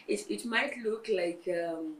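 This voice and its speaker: A woman's voice: on the low side, takes it slowly, fairly bright tone. A woman ENT surgeon, explaining throat health in a TV interview with examples. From Kenya.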